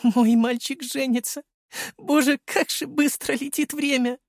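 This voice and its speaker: A man's voice: steady tone, measured pace, gravelly, dry recording, clean studio sound, heavily acted. A man doing a tearful, quavering mother. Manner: high, quavering.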